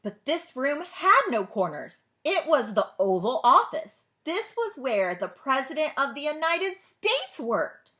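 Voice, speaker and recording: A woman narrating a children's story as a librarian, expressively, pausing to put questions to young listeners. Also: high voice, big pitch swings, sharp tone. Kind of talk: children's read-aloud narration.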